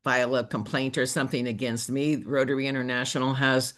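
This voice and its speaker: A man acting as a district leader on a recorded meeting call, talking in a measured, hesitant way with many fillers. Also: medium pitch, level tone, a bit bright.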